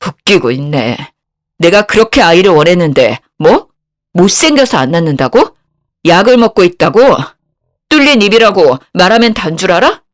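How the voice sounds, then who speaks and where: A woman's voice: on the low side, sing-song, moderate pace. A woman voicing a betrayed husband who scolds his wife bitterly. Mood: bitter anger. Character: angry betrayed husband, a young man.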